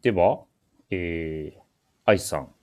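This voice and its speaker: A man's voice: deep voice, slow, a little mellow. A man hosting a casual radio chat, politely prompting his guests and often chiming in with short agreeing responses. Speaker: radio show host.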